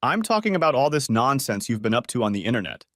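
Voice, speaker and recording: A man's voice: mid-range voice, very animated, fast talker, fairly bright tone, no room sound, clean studio sound. A man voicing a stern female office supervisor who talks in a curt, sarcastic way.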